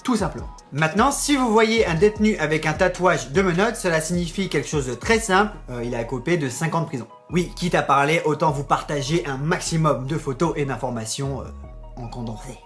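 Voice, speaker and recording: A man's voice: a little high, expressive, a little fast, fairly bright tone, soft background music. A man hosting a tattoo vlog, explaining in a chatty, joking way and talking straight to his viewers. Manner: chatty, addresses viewers directly, joking asides. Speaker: tattoo YouTuber.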